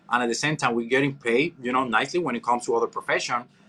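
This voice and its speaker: A man talks with a Spanish accent and an animated tone. His pitch variation is ordinary. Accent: Spanish-accented English, noticeable. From Puerto Rico. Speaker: chiropractor. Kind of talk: podcast interview.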